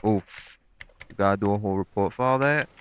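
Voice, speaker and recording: A man's voice: on the low side, a little fast, loud music behind the voice, lightly acted. A man playing a sweet, caring, teasing boyfriend in an intimate audio roleplay, speaking laid-back, coaxing slang with an African American Vernacular English accent. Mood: relaxed, caring.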